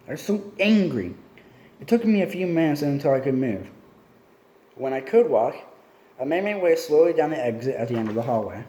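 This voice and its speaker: A man's voice: mid-range voice, mellow, echoey room. A man casually reading a novel aloud, correcting his slips and chatting in between. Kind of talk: casual read-aloud with asides.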